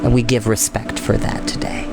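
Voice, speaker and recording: This American host of a storytime reading show has a creaky, medium-pitched voice that barely rises or falls, and he talks at a normal speed. His tone with online viewers is relaxed and earnest, full of repeated, emphatic lines. Meditation music plays softly underneath.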